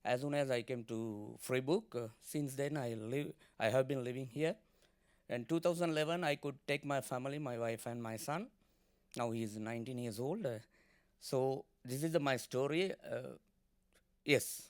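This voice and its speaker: Halting man from Sri Lanka. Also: mid-range voice, clear, resonant tone, no echo, studio quality. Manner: halting, many "uh" fillers. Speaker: panelist, former journalist. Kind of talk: personal testimony on a panel.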